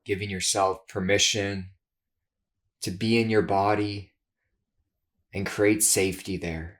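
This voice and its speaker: A man leading a guided meditation in a soothing, measured way, giving gentle instructions with long pauses. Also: lowish voice, flat delivery. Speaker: guided meditation leader, therapist.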